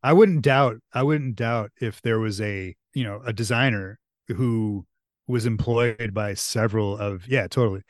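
A man's voice: fairly low pitch, unhurried, no room sound, studio quality. A man hosting a podcast, chatting casually and eagerly, rambling through his points with enthusiasm. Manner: enthusiastic, rambling, animated retelling. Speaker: podcast host. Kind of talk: casual chat.

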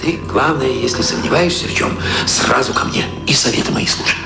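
An actor playing a calm, worldly cult initiator who guides a newcomer in a matter-of-fact, patronising way in a radio drama. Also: male voice, medium pitch, a little fast, vocal fry, close to an everyday voice. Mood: calm, confiding. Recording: roomy studio sound with loud music.

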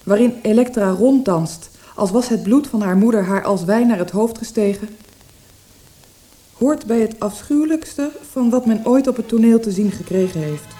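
A woman's voice: on the high side, animated, moderate pace, warm tone, close to an everyday voice. A woman playing an appalled theatre reviewer, reciting dramatically in a radio drama.

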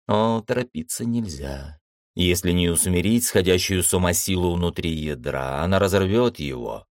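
Deep-voiced man reading a fantasy audiobook. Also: dry recording, clean studio sound. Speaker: audiobook narrator. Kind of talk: first-person audiobook narration.

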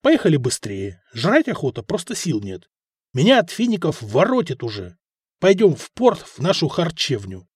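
A blunt, hungry Arab merchant, voiced by a male reader, in a storybook reading. His gruff, plain speech rises and falls in a lively way. The recording is dry and close. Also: fairly high pitch, normal speed, no echo, exaggerated voice. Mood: grumbling.

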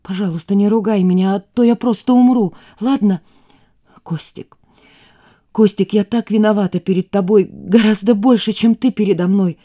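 A woman's voice: mid-range voice, fairly even intonation, fairly quick, hardly any pauses, lightly acted. Woman reading as a weary distraught mother. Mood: pleading. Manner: shifts from tired murmur to shouting.

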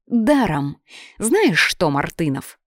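A woman voicing a feisty, cheeky young red-haired woman with squeaky, loud retorts in an audiobook. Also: big pitch swings, slow, no echo, clean studio sound, full character voice. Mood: furious.

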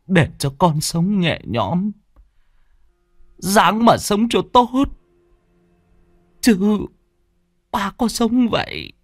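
A man voicing a frail, sick old father who speaks slowly with a trembling, pleading voice. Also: high voice, no room sound, clean studio sound, pitched above the performer's own voice, heavily acted. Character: frail disabled old father, gravely ill and resigned.

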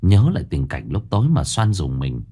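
A man narrating a ghost story in an expressive storytelling manner. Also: low-pitched, moderate pace, husky.

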